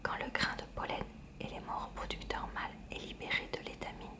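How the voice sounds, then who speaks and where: Her delivery is a hushed, breathy, unvoiced whisper like one used in a library. The woman is an ASMR reader, carefully and steadily reading from a school science textbook.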